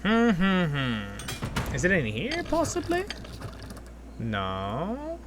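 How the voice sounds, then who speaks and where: A man hosting a gaming video with casual, excitable commentary, talking half to himself and half to his viewers. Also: high-pitched, drawn-out words, background noise. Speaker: gaming channel host. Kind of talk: casual gameplay commentary, with expressive story reading.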